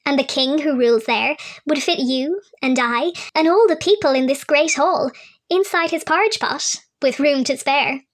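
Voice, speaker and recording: Woman playing a tiny fairy poet, high voice, mocking, fast and cheeky, storybook reading. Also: close to an everyday voice. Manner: quick, teasing and bold.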